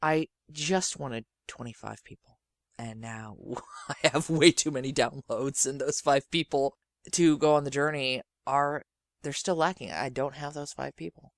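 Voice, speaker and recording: A man's voice: medium pitch, fairly even intonation, a little slow, dry recording, studio quality. A man hosting a podcast, talking informally and directly to listeners in an earnest, emphatic, rambling way. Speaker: podcast and radio drama host.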